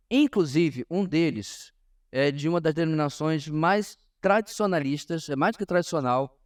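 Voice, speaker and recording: A man with a Brazilian Portuguese accent teaches a church class as a pastor, in an informal sermon style, emphatic and often pausing to address his listeners directly. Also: on the high side, a little mellow. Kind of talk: informal sermon-like lesson to a congregation.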